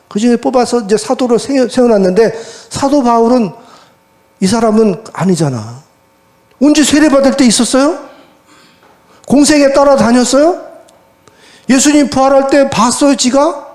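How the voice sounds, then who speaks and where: High-voiced man preaching with rhetorical questions. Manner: lively, colloquial preaching with many rhetorical questions to the congregation. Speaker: pastor. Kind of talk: sermon. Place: church service.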